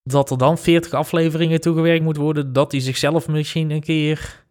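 A man's voice: on the high side, flat delivery, brisk, a little mellow. A man co-hosting a casual podcast chat, rambling and hesitant, with many fillers. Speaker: podcast co-host.

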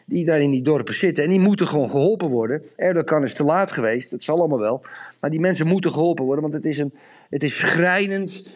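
A man's voice: on the high side, lively intonation, quick pace. A man telling a long, rambling story to his co-host, growing more emphatic as he goes. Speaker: podcast co-host. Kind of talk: casual monologue on a podcast.

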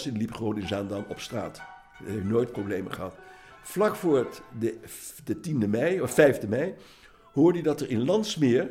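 A man in his eighties from the Netherlands, giving personal testimony, halting with frequent restarts and lively when retelling scenes. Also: mid-range voice. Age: 80s. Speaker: interviewee.

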